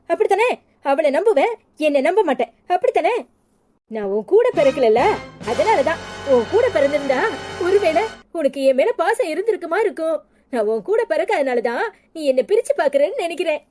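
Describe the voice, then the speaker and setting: A woman's voice: very high voice, big pitch swings, a little fast, warm tone, soft background music. A woman voicing a sulky young village woman in a cartoon, with a Tirunelveli Tamil accent and a pleading, self-pitying manner.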